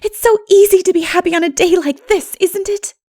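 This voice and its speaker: A woman's voice: very high-pitched, fairly even intonation, fairly quick, a little mellow, voice pushed up. A woman reading an audiobook as an exuberant, dreamy young woman who talks in an earnest, gushing, flowery way. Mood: blissful, gushing. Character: Anne, exuberant, dreamy, poetical schoolgirl-spirited young woman. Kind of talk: audiobook character voice.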